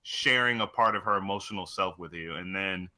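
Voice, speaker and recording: A man's voice: low voice, fairly quick, pushed and bright. A man co-hosting a podcast, talking casually in a profane, joking style. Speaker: podcast co-host.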